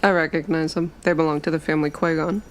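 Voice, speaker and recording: A woman's voice: deep voice, fairly even intonation, quick pace. A woman narrating her character's actions as a player in a tabletop roleplaying game.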